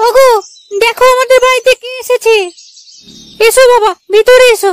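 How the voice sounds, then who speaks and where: In a cartoonish character voice at an extremely high pitch, a woman speaks with monotone, flat intonation and very even loudness in a dry, close sound with no echo. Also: moderate pace. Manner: warm, fussing.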